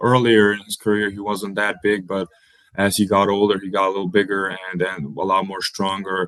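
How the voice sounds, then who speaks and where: The speaker has a Bosnian accent. The intonation is monotone and flat. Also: man. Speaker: college basketball player. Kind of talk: interview. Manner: halting, many repetitions.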